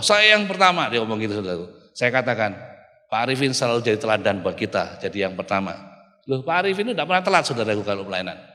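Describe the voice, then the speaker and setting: A male pastor preaching an animated sermon, often calling out to the congregation. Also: mid-range voice. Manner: animated preaching, keeps calling the audience "saudaraku". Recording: reverberant hall.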